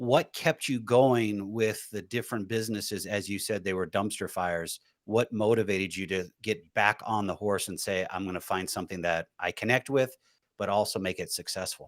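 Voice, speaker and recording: In an American accent, a man with an unremarkable speaking voice talks at a moderate pace with a fairly low pitch and ordinary pitch variation, on a very clean recording with a silent background. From Southern California. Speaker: podcast host. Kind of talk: interview.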